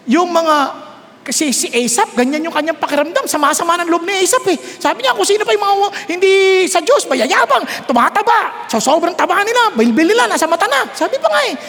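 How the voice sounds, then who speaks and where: A woman preaches with lively humor, slipping in English phrases and acting out little scenes. Her voice sits high and leaps widely in pitch. A long reverb hangs behind her, as in a large hall. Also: slight background noise. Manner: animated, humorous, mixing in English. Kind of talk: sermon.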